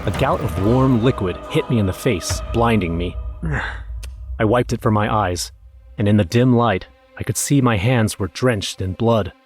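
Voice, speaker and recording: Actor as male horror narrator, lower pitch, grim, shaken, scripted first-person storytelling, music bed underneath. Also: moderate pace, a little mellow, lightly acted. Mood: dread.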